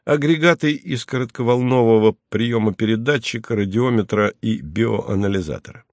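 Male narrator, audiobook, lowish voice, dry close sound, measured. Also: dry recording.

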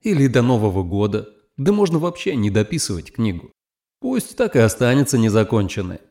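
A man reading an audiobook aloud in an expressive, storytelling manner. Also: medium pitch, a little fast. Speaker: audiobook narrator.

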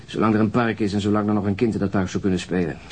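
Man acting weary, low-voiced police detective. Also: steady tone, darkish tone, lightly acted. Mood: dejected. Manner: weary, terse, halting. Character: exhausted, gloomy, duty-obsessed male police detective. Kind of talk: naturalistic radio drama acting. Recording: noisy radio drama recording with rumble.

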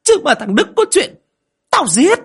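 A man's voice: very high-pitched, very animated, a little slow, fairly bright tone, pitched above the performer's own voice, full character voice. A man voicing a furious older mother-in-law who screeches accusations and threats in an audio story.

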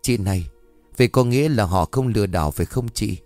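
A man's voice: on the low side, a little fast, a little mellow, no room sound, soft background music, natural voice. Man voicing an eager young woman. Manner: eager, questioning.

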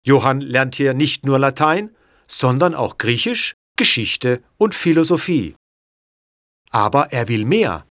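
Male storybook narrator, unhurried and expressive, clear measured reading. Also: medium pitch, no room sound, studio quality. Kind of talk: scripted audiobook narration.

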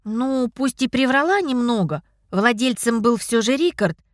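A woman narrates a first-person novel with wry, self-mocking energy, her voice sitting a little high. The sound is dry and close to the mic, with no room around it. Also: measured pace, dry recording. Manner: wry, lively, self-ironic. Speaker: audiobook narrator.

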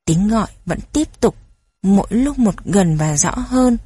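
A woman reading children's stories aloud in a gentle, even storytelling manner. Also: mid-range voice, unhurried, breathy edge, dry recording, clean studio sound.

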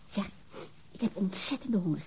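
A woman's voice: mid-range voice, lively intonation, normal speed, gravelly, slight background noise. An actress playing a cheerful, casual, carefree woman at home in a radio drama. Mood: light, cheerful.

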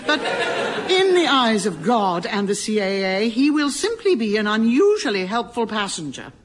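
Bossy brisk airline owner, voice goes up and down a lot, commanding. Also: female voice, fairly high pitch, big pitch swings.

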